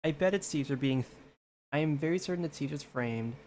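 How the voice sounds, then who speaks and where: A man's voice: fairly high pitch, a little fast, darkish tone, a little hiss or hum. A man giving informal let's-play commentary, thinking aloud casually over game music. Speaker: video game streamer.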